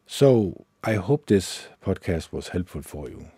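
A Danish-accented man hosting a solo meditation podcast, talking haltingly with many fillers and restarts. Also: low-pitched, sing-song, warm tone, breathy edge, dry recording, studio quality. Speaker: podcast host.

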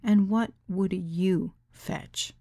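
Woman doing a smug leering guy for an audiobook, slow drawl, precise and cutting. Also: medium pitch, fairly even intonation, warm tone.

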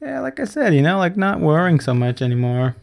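A man's voice: fairly high pitch, very animated, fairly quick, vocal fry. A man around twenty hosting a solo podcast, talking in a rambling, profane way, often correcting himself and laughing. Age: 20s. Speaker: podcast host. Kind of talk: casual solo podcast monologue.

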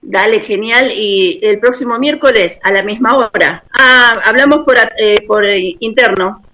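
A woman's voice: a little high, unhurried, pushed and bright. A woman, hosting a radio interview and closing it with short, friendly remarks. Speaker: radio host. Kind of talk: casual interview.

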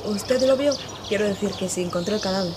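A woman's voice: medium pitch, brisk, background noise, lightly acted. An actress in her twenties playing a naive, eager young woman reporter in a radio drama. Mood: inquiring. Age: 20s.

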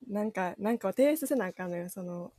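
A young woman with a Kansai accent co-hosts a casual chat. Her voice is husky and sits at a middle pitch, captured close and dry. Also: expressive, brisk, mellow, no echo. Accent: Kansai Japanese. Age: 20s. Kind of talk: casual chat among friends.

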